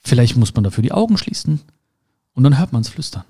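A man's voice: mid-range voice, big pitch swings, brisk, warm tone, husky. A man giving a motivational talk in an emphatic way, repeating his key phrases. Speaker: motivational speaker.

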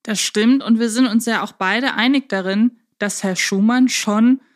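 A woman's voice: fairly high pitch, unhurried. A woman talking in a conversational, analytical way as co-host of a casual podcast discussion.

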